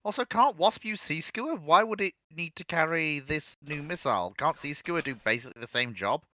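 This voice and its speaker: A man's voice: on the high side, animated, moderate pace, sharp tone. A man chatting casually as a panelist on a live show. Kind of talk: casual chat.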